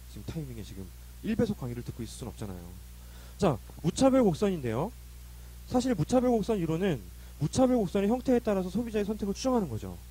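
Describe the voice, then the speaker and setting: A man talks at a very fast pace. Long pauses come often. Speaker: economics lecturer. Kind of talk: lecture.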